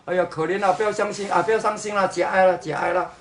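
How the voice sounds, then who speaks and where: A man's voice: sits high, fairly even intonation, fast, echoey room. A man from Singapore with a Singaporean Mandarin accent sprinkled with Hokkien words, mocking his viewers in a livestream chat. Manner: mocking, sarcastic, mixes in Hokkien and English.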